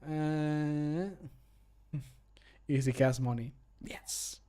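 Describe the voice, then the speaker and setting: Higher-pitched man chatting on stream. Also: steady tone, extremely slow, mellow, clear, resonant tone. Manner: jokey, self-deprecating, sweary. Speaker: streamer recording mod voice lines. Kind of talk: casual livestream chat. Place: indoor home room.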